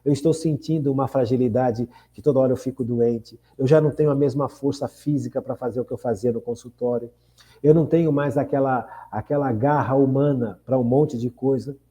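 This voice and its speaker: A radio host in his sixties with a Brazilian Portuguese accent leads an earnest, reflective spiritual program, repeating phrases and often asking his listeners questions. His voice is mid-range and warm, with fairly even intonation and a brisk pace.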